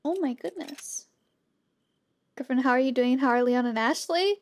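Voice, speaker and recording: A woman's voice: high voice, moderate pace, no echo, clean studio sound. A woman doing casual, playful live gameplay commentary, chatting with her viewers as she plays. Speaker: game streamer.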